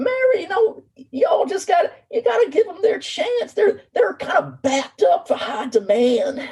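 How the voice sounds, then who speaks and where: Very wide pitch swings in a put-on character voice. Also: woman, extremely high pitch for a woman, moderate pace. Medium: game stream.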